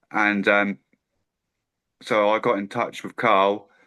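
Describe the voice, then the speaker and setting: A man with an East Anglian accent speaks in a bright, sharp tone. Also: quiet background. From eastern England, Suffolk. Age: 30s. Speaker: trainee hypnotist. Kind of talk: casual interview, personal story. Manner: hesitant, many fillers.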